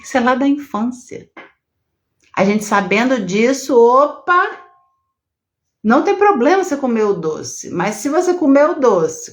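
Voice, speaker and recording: Brazilian woman, middle-aged, therapist hosting a live stream; chatty, teacherly, lots of tag questions. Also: fairly high pitch. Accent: Brazilian Portuguese. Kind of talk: casual live-stream talk, reading viewer comments.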